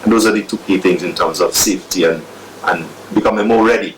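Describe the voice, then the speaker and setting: Low-pitched guy explaining safety stuff, bit far from the mic. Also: fast talker, a little hiss or hum. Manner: explanatory, with restarts. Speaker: disaster preparedness expert. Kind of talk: explanatory interview answer.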